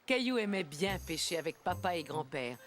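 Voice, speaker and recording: Woman narrator for a kids cartoon, lively up-and-down tone, soft music behind. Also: lowish voice, normal speed. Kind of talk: scripted storybook narration. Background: background music.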